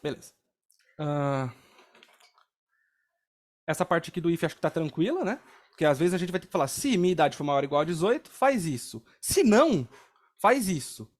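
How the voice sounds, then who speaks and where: High-voiced Brazilian man teaching code. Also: big pitch swings, moderate pace, long pauses. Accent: Brazilian Portuguese. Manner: casual, explains step by step, frequent "tá?" and "ó". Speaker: programming instructor. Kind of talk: live coding class.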